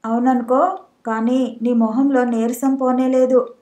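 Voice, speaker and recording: A woman's voice: high voice, flat delivery, measured pace, mellow. A woman reading the lines of a frank, practical young female friend who reasons things out. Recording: echoey room.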